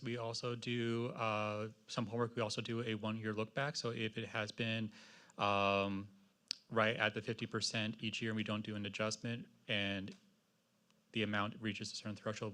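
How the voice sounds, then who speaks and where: A man giving a formal staff presentation at a public meeting, speaking in a halting, procedural way. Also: on the low side, level tone, pushed and bright. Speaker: city staff member presenting.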